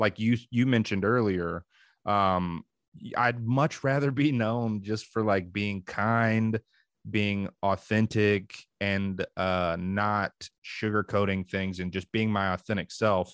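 Speaking very slowly with fairly even intonation, a man with a fairly low pitch is heard in a dry, close recording with no echo. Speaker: podcast co-host. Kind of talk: casual chat.

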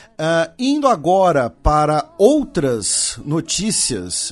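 A man's voice with very wide pitch swings, over noticeable background noise. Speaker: podcast host, international politics commentator. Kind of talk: news commentary. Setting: studio recording late at night. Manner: frequent fillers like tá and né.

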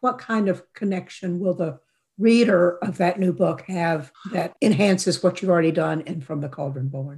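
A woman speaks at a medium pitch with lively intonation. Her delivery is fairly slow and somewhat breathy. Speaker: podcast co-host. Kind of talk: interview.

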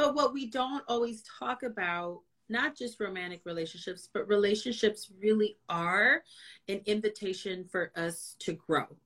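A woman speaks at a moderate pace in a fairly high pitch with lively intonation. It is an ordinary speaking voice. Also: very clean recording, silent background. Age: 40s. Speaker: therapist and podcast co-host. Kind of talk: casual chat.

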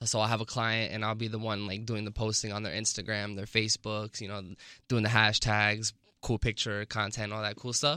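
A man with an American accent speaks at a fairly quick pace in a bright, sharp tone. His intonation is monotone and flat. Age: 20s. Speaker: DJ. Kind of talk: casual chat.

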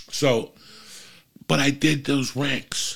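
The voice belongs to a man with a New Jersey accent. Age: 50s. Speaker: comedian and podcast host. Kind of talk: casual chat. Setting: home studio. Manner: animated.

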